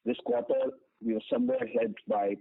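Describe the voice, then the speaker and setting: Male finance chief, Indian accent, husky creaky voice, formal results readout, heard through a tinny conference call. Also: extremely high pitch, wildly swooping pitch, a little fast. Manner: matter-of-fact, reading out figures with hesitations. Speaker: bank finance executive. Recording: narrow tinny phone conference line.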